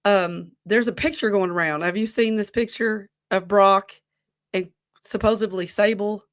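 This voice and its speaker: A woman's voice: mid-range voice, fairly even intonation, moderate pace. Rambling woman in her forties chatting casually. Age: 40s. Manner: rambling, easily sidetracked. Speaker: podcast co-host running a wrestling quiz. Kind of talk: casual chat.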